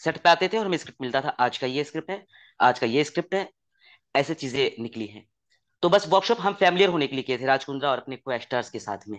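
Over a quiet background, a man talks at a very fast pace. His pitch swings very widely, and his loudness swings a lot too. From Bihar, India (Katihar); Bihar. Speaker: actor. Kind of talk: interview. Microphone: earbuds.

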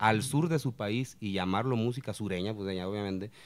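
In a normal speaking voice, someone talks at a moderate pace with lively intonation, captured on a very clean recording with a silent background. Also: man. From Mexico, Michoacán. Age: 30s. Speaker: regional Mexican singer. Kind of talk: interview.

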